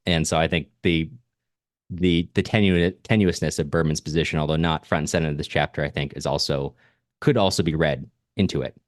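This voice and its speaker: A man's voice: extremely low pitch, fairly even intonation, brisk, dry recording, clean studio sound. A man co-hosting a podcast, talking through a book in a casual, discursive and analytical way, often rephrasing himself mid-thought. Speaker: podcast co-host discussing a novel.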